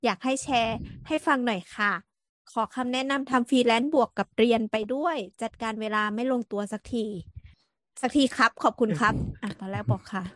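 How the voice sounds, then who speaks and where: A woman co-hosting a podcast, playfully reading out a listener's question in a halting way. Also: a little high, a bit bright, no echo.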